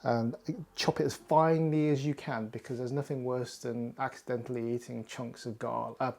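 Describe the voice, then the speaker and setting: A man's voice: mid-range voice, flat delivery, normal speed, gravelly, darkish tone. A man hosting a casual home cooking tutorial, chatty and self-deprecating as he walks through each step. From Hakka Chinese family. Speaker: cooking show host.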